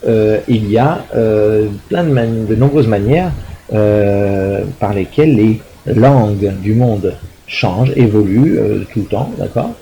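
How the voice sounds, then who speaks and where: A man's voice: lowish voice, a little slow, mellow, a little hiss or hum, low-quality recording. A middle-aged man, a university lecturer, explaining a recorded lecture with frequent fillers, restarts and tag questions to check understanding. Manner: hesitant, many fillers and restarts.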